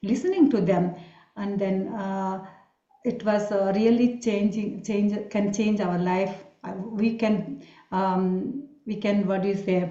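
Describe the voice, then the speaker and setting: The voice is somewhat breathy, moving at a very slow pace with fairly even intonation. Room echo is audible. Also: woman, medium pitch for a woman. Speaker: meditation channel host. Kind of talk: online meditation group talk. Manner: halting.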